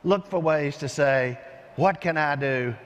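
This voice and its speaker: An older man giving an energetic keynote speech on a large conference stage, telling stories with lively gestures through a headset mic. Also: a little high, unhurried, clean tone, muffled recording. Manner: animated storyteller with lively gestures. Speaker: keynote speaker. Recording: long hall reverb from arena.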